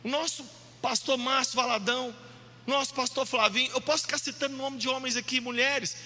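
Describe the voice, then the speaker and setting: A male pastor preaching an animated, jokey sermon, shouting out points for emphasis in a church hall. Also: very high voice, a little fast. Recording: long hall reverb.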